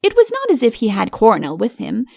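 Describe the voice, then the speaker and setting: Creaky-voiced woman narrating a story. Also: fairly high pitch, huge pitch swings, quick pace, a little mellow, no room sound, studio quality. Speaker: audiobook narrator. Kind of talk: scripted comic fairy tale narration.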